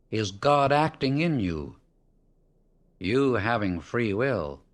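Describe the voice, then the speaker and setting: A man reads a scripted spiritual discourse as an audiobook, his voice on the low side. He sounds solemn and measured, laying out short phrases with emphasis.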